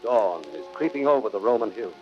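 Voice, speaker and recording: A man's voice: fairly low pitch, animated, brisk. A man giving solemn, scripted dramatic narration as the narrator of an audio play. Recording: dull old record with music behind. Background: music.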